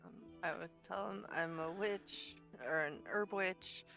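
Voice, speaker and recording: A woman taking part in a tabletop game, answering slowly and hesitantly as she hunts for the right words. Her voice sits fairly low, and faint guitar music plays in the background. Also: vocal fry. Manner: slow, hesitant, searching for words. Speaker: player. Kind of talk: casual chat in a tabletop game.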